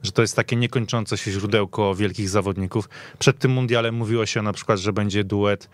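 Low-pitched man talking football. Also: steady tone, fairly quick, no room sound. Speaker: panel guest. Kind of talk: casual sports podcast discussion. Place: radio studio.

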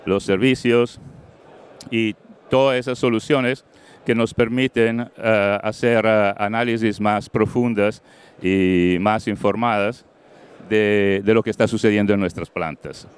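Middle-aged man, from Colombia, conference talk, handheld mic, very clear voice, halting delivery. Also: lowish voice, steady tone. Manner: halting, many fillers, mixes in English words. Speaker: panel moderator. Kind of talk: conference presentation. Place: large event stage.

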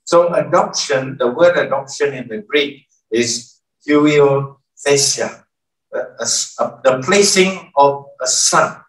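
Speaking slowly in a mid-range voice, an older preacher teaches from a large church hall stage, frequently questioning the congregation. He stands at the lectern, recorded by a far-off camera mic, so the hall sounds echoey.

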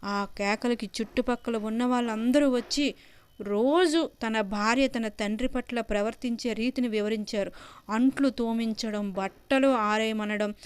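A woman's voice: fairly high pitch, clean tone, dry recording. A woman telling an emotional family story in earnest, scripted narration.

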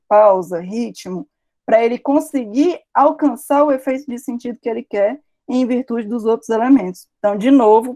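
Woman, Brazilian Portuguese accent, university lecturer, slightly high voice, explanatory, rhetorical questions, video-call mic. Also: warm tone. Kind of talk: academic online lecture.

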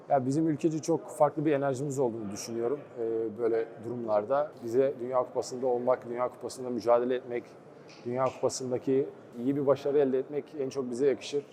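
Young man, goalkeeper, post-match interview, quick speech, mellow dark tone. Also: medium pitch.

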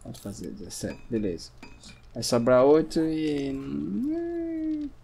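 A man from Brazil giving casual gameplay commentary, chatting to himself and his viewers, sometimes breaking into sudden shouts. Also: fairly high pitch, big pitch swings, slow pace, creaky, a little hiss or hum. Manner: chatty, talks to himself and the audience, bursts into shouts at scares. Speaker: gameplay streamer.

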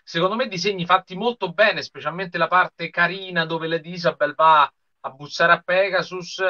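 A man's voice: sits high, normal speed, sharp tone. A man in his thirties casually hosting a live online discussion. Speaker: host. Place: room at home. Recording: dull lo-fi stream audio.

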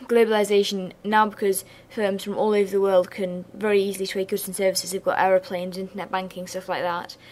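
A young woman, hoarse and losing her voice, giving a chatty revision lesson with casual asides. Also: medium pitch, slight background noise. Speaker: student revision tutor.

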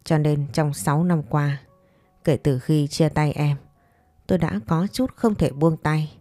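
Woman reading as composed proud man, low and mellow. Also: steady tone, unhurried, dry recording, soft background music. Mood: cool, composed. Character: composed, proud man coolly rejecting his former girlfriend. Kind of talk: fireside storytelling, romance story dialogue.

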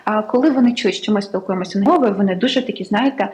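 A woman's voice: mid-range voice, fast talker, crowd noise, poor audio. A young woman from Ukraine, an English tutor, chatting as a guest in a studio talk show with many fillers. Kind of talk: casual studio interview.

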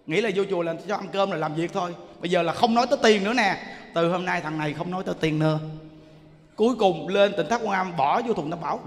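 Animated monk, high voice. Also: male voice. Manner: animated, exclaiming, quick shifts between loud and soft. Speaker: monk preacher. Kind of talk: dharma talk with storytelling. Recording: long hall reverb.

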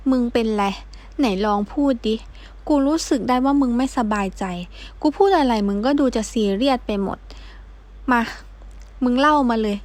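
A woman reads a brash young man with a crude, blunt mouth in this storybook dialogue. The voice sits a touch high for a guy and barely shifts from the reader's own. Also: moderate pace, darkish tone, natural voice. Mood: coaxing. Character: brash young male architecture graduate, foul-mouthed. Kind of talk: audiobook character dialogue.

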